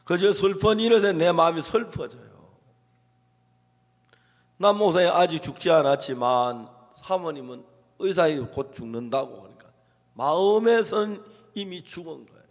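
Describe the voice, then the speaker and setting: A man preaches a sermon in a big church hall, his voice sitting a little high. He moves between quiet, hushed storytelling and emphatic declarations, with acted quotes. Long reverb trails each phrase. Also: moderate pace. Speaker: pastor.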